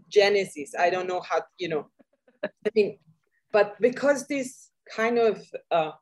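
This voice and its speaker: A woman's voice: on the low side, darkish tone. A woman speaking as a podcast guest in casual discussion, searching for words with many fillers and restarts. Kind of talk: conversational discussion.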